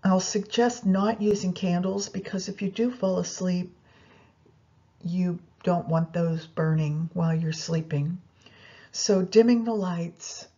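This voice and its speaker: A woman leading a guided yoga nidra meditation, giving unhurried instructions directly to the listener. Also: fairly low pitch, warm tone, slightly rough, highs cut off.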